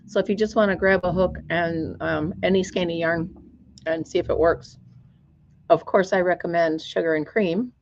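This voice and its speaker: A woman hosting a casual crafting livestream from her store, chatty and greeting viewers by name, her voice still hoarse as it recovers. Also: fairly low pitch, fairly even intonation, moderate pace, darkish tone, lo-fi sound.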